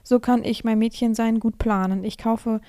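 A woman with a hoarse, mellow, warm voice that sits a little high. She talks frankly to her listeners, giving blunt advice and pausing between thoughts as she reads a letter aloud. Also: steady tone. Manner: frank, advising listeners directly. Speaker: podcast host. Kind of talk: casual podcast monologue, reading a listener's letter aloud.

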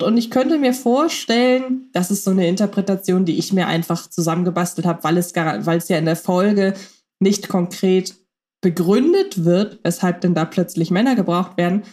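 A woman's voice: medium pitch, moderate pace, darkish tone. A woman co-hosting a podcast, chatting enthusiastically and thinking aloud with fillers. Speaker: podcast co-host. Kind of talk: casual podcast chat about radio plays.

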